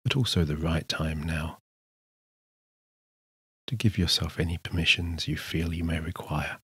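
A man narrating a scripted sleep hypnosis session in a soothing, measured manner with unhurried pauses. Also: low-pitched, husky, dry recording, clean studio sound. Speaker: hypnotist, guided meditation narrator.

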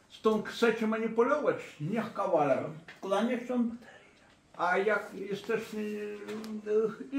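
A man's voice: high voice, a little hiss or hum. A man working as a therapist and court expert, giving a lecture-style talk in an emphatic, digressive way. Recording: echoey room.

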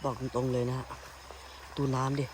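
A man's voice: medium pitch, completely flat delivery, moderate pace, background noise. A man talking casually to his viewers on a phone as he walks through a rainy forest, chatty and uneasy. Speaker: vlogger. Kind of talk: casual walking vlog to viewers. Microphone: handheld phone. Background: insects and rain ambience.

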